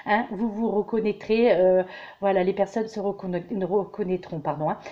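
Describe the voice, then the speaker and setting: A woman giving a tarot reading for the week, talking to viewers as dear friends, halting, with many fillers and restarts. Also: mid-range voice, steady tone, highs cut off. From France. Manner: addresses listeners warmly as dear friends. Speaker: tarot reader giving weekly guidance. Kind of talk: casual spiritual monologue to viewers.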